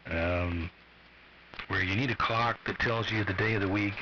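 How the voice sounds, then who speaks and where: A man's voice: fairly low pitch, normal speed. An older retired man checking in casually on ham radio, rambling and poking fun at himself. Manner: relaxed, rambling, self-deprecating. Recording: dull shortwave radio with static.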